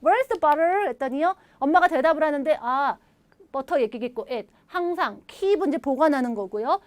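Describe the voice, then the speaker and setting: Bright lively woman teaching English grammar. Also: high-pitched, moderate pace, no echo. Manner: lively, animated, leads repeat-after-me drills; acts out little dialogue lines in playful voices. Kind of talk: recorded video lecture.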